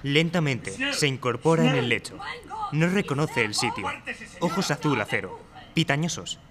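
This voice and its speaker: A man playing the solemn narrator of a radio spy serial, delivering literary lines in dramatic, deliberate fragments. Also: a little high, very animated, a loud crowd. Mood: ominous. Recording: noisy live audience recording with ambience.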